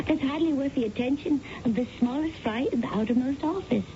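An actress playing a proud but self-deprecating widow in a radio drama, speaking in a precise, insistent way. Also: female voice, normal speed. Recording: dull, noisy old radio broadcast with rumble.

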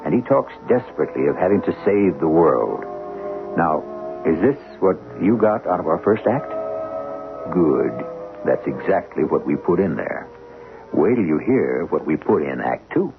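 A man hosting a radio mystery show with deliberate, wry, portentous scripted narration. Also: extremely low pitch, sing-song, creaky. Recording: narrow-band 1970s radio broadcast. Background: music.

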